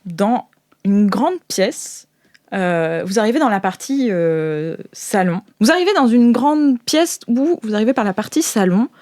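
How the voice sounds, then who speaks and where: A woman's voice: medium pitch, lively intonation, unhurried, darkish tone, no echo. Dry-sounding woman narrating a game. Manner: casual, conversational. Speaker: game master. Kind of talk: improvised scene narration for a tabletop game.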